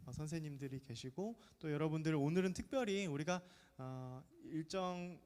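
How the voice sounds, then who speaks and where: A man in his thirties preaches to a middle-school youth group, his voice sitting a little high. He talks in a chatty, joking way and keeps asking the teenagers questions. His words ring with the long reverb of a church sanctuary. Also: normal speed, a little mellow. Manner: chatty, jokey, often asks the congregation questions. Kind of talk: lively sermon to teenagers.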